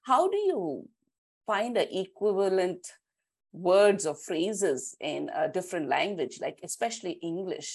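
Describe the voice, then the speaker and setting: Lower-voiced woman interviewer. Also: big pitch swings, measured pace, husky. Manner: engaged, asks long framed questions. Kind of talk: interview questions.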